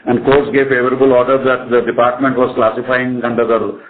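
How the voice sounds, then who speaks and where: A man's voice: medium pitch, level tone, a little fast. A man with an Indian accent, a company executive fielding analyst questions on a conference call. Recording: tinny narrow phone-line conference call.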